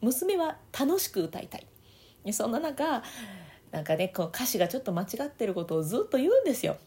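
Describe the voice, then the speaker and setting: Lively Kansai woman podcaster, laughing often. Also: brisk. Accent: Kansai Japanese. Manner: laughs often between phrases; animated, swoops up and down in pitch. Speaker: audio podcaster and voice coach. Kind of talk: casual solo podcast talk.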